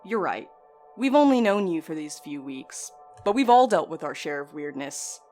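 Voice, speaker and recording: A woman acting in an audio drama as a concerned, doubtful but conciliatory friend, speaking in a gentle, questioning way. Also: low-pitched, big pitch swings, normal speed, faint music behind.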